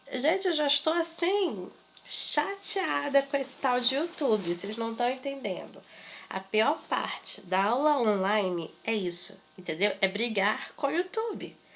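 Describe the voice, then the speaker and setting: Over noticeable background noise, a woman with a high pitch talks at a fairly slow pace in very wide pitch swings. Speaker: schoolteacher. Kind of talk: online class lecture.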